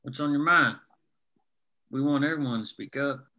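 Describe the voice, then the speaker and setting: Man playing a bright, resolute coal miner. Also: medium pitch, normal speed. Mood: plain, inviting. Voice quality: folksy rural working-class diction. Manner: plain-spoken, persuasive. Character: earnest, resolute male coal miner rallying fellow workers. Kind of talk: table-read acting.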